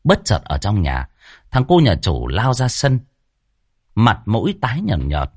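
A man narrating a ghost story in a lively, dramatic, colloquial way, with a husky voice. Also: on the low side, unhurried, no room sound, studio quality.

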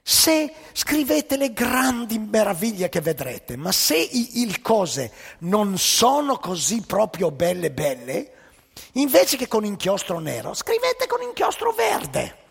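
A man's voice: sits high, huge pitch swings, slow pace, vocal fry, breathy edge, in a large hall, pitched above the performer's own voice, exaggerated voice. A man voicing a worried old Jewish mother who pleads in broken Italian.

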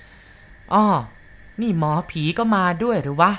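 A woman's voice: mid-range voice, expressive, drawn-out words, a bit bright. A woman voicing a bitter, possessed old man who sneers and speaks rudely in a spoken ghost story. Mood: mocking. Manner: gruff, sneering, rude speech.

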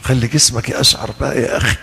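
A man preaching a sermon with an Egyptian accent, acting out back-and-forth dialogues with his listeners in an animated way. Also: medium pitch, rapid-fire, vocal fry, big-room sound, slight background noise. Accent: Egyptian Arabic.

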